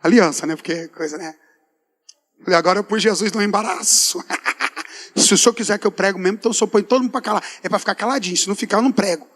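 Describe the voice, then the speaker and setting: A man, a pastor telling a lively testimony in a sermon and acting out his talks with God in folksy asides. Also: high-pitched, rapid-fire, big-room sound. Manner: animated storyteller, acts out dialogue with God, folksy asides.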